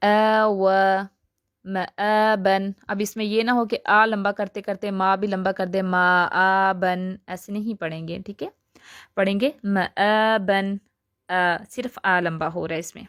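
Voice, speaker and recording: A woman teaching a recitation lesson, patiently explaining rules and slowly drawing out example sounds. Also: medium pitch, dry recording, clean studio sound. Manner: patient, repeats "theek hai" to check understanding.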